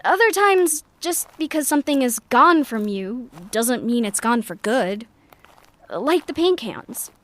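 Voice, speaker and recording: A woman playing a reflective, wry, warm-hearted young scavenger in a sci-fi audio drama, speaking a conversational monologue as if recording a message. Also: high voice, big pitch swings, unhurried, heavily acted.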